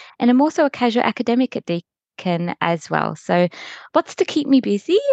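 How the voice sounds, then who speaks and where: A woman with an Australian accent in a dry, close sound with no echo against a quiet background. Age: 30s. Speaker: dietitian. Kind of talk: interview.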